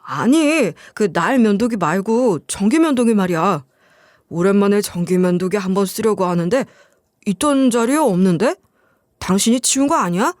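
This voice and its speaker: A woman's voice: mid-range voice, expressive, moderate pace, a little mellow, dry recording, clean studio sound, voice pushed down, close to an everyday voice. A woman voicing an irritated husband who runs an appliance store, asking scolding questions. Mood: puzzled.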